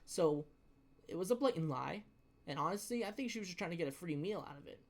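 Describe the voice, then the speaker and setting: A young adult man telling a story in a casual rant, profane and emphatic, often halting and repeating his words. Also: on the high side, animated, gravelly.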